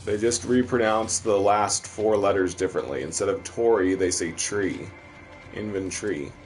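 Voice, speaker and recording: A man with a Midwestern accent, from the American Midwest, provides relaxed gameplay commentary on his stream while responding to viewers. His lowish voice keeps a moderate pace against faint background music.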